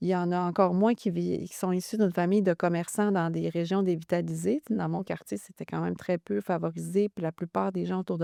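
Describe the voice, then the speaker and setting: Dry and close with no echo over a quiet background, a woman talks at a fairly quick pace with a Lac-Saint-Jean accent. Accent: Lac-Saint-Jean Quebec French. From Quebec, Lac-Saint-Jean. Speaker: former politician and business executive. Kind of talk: podcast interview. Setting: studio. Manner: halting, many fillers.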